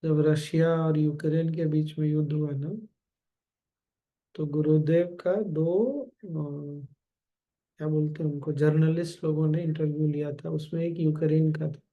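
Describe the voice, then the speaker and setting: A man giving a gentle spiritual discourse as a teacher, calmly addressing his listeners directly. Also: a little high, unhurried, narrow, tinny audio.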